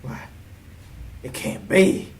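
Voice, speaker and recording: A man playing a nervous husband in an amateur radio-style mystery play. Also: drawn-out words. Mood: pleading. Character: nervous husband shocked by his wife's murder. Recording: distant mic with faint background noise.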